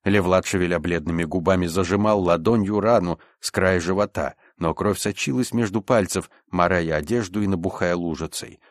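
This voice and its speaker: A male audiobook narrator reads in an even, measured way. His voice sits very low. The sound is dry and close to the mic, with no room in it. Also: no room sound. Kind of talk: scripted narration.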